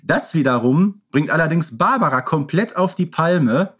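A man's voice: on the high side, animated, moderate pace, fairly bright tone. A man co-hosting a podcast, talking casually and explaining things in colloquial language. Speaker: podcast co-host. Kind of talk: casual podcast conversation about audio dramas.

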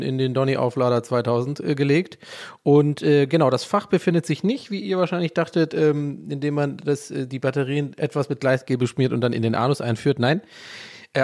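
A man's voice: medium pitch, a little mellow. Rambling, joking German podcast man. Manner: rambling, joking, self-mocking, loses his thread. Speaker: podcast host. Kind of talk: solo podcast chat. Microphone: home podcast mic recorded in Audacity.

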